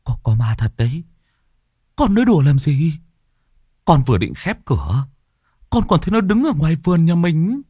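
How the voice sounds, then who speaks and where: Guy putting on a scared young dude, stuttering, gasping, squeaky high wail, super dry sound. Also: very animated, moderate pace, long pauses, dark tone, breathy edge, dry recording. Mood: pleading. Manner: stammering, shrill wailing. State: out of breath. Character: terrified young man, panicky, high-pitched.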